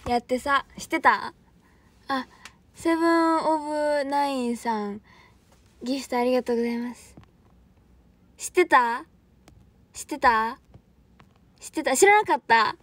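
A woman's voice: high-pitched, steady tone, a little slow, long pauses, fairly bright tone. A young woman with a Kansai accent, chatting on a livestream as an idol trainee, rambling and laughing often while thanking viewers. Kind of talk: casual livestream chat.

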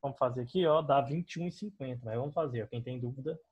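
A young man from Brazil, speaking with a Brazilian Portuguese accent, teaches math through a screen-recorded digital board lesson. His medium-pitched voice is slightly rough and quick, and the recording sounds muffled. He stays patient, explaining each step and regularly checking in with students.

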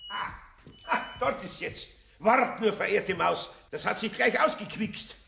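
A man's voice: high-pitched, lively intonation, unhurried, vocal fry, sharp tone, slightly rough, exaggerated voice. A man playing a grumbling but good-natured older master carpenter with a Bavarian accent in an audio drama. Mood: puzzled, startled. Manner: muttering to himself, exclaiming.

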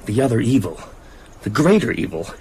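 An actor playing a haunted, weary writer in a radio drama, speaking in a reflective, hesitant way. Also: male voice, medium pitch, very animated, brisk, darkish tone, slight background noise, close to an everyday voice, low-quality recording. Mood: grave, reflective. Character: haunted, weary male writer recounting evil events. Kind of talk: radio drama narration and dialogue.

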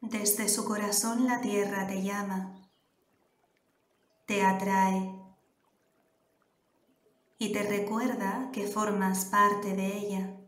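Slow, calm woman guiding a meditation. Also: medium pitch. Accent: Canary Islands Spanish. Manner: slow, soft, calm instructions with long pauses. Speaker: meditation guide. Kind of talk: guided meditation. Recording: roomy echo with soft music behind. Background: soft background music.

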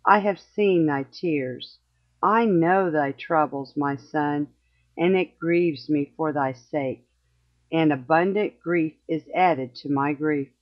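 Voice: medium pitch, slow, natural voice. A reader voicing a dead mother who answers her son from beneath the ground, consoling him in archaic speech. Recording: slightly muffled lo-fi recording.

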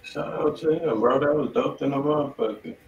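A man's voice: on the high side, fairly even intonation, fairly quick, darkish tone, muffled recording. An American man co-hosting a livestream with casual, slangy banter. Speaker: livestream co-host. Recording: roomy, distant mic, faint noise.

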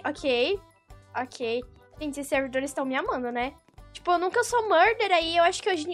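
A young Brazilian woman commentating her own gameplay, with excitable, exasperated outbursts. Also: high-pitched. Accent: Brazilian Portuguese. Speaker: gaming YouTuber.

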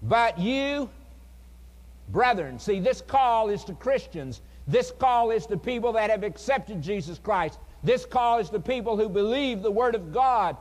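A man with a high-pitched voice preaches an earnest revival sermon, drawing out words with dramatic pauses and dropping to a hush before rising again. His voice rings through a large hall with a long reverb tail. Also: lively intonation. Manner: dramatic pauses, pleading and earnest, swings loud and soft. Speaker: evangelist preacher.

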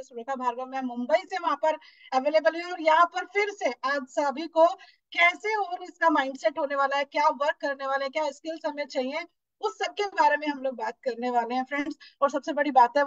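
High-voiced woman hyping an online event. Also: no echo, lo-fi sound. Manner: hypes up the audience with Hindi-English mixing. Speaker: event host. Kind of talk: energetic event introduction.

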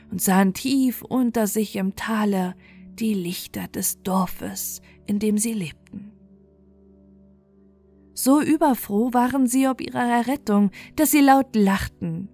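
A woman's voice: medium pitch, mellow, husky. A woman storyteller narrating a scripted bedtime fairy tale, with music playing behind her.

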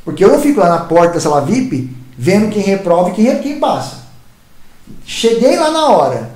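A man's voice: high voice, big pitch swings, normal speed, darkish tone. A man with a Brazilian Portuguese accent, hosting his channel and telling stories in a rambling, casual way, often repeating and restarting words. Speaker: YouTube channel host. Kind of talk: casual storytelling monologue. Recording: roomy echoey sound.

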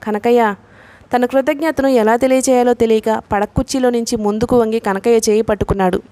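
A woman reading a novel aloud in a steady, measured way, voicing the dialogue herself. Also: on the high side, dry recording. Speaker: audiobook narrator.

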